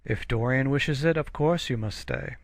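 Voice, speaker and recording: A man voicing an earnest, worried painter who speaks in a hurried, slightly fretful way. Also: medium pitch, pitched above the performer's own voice, lightly acted.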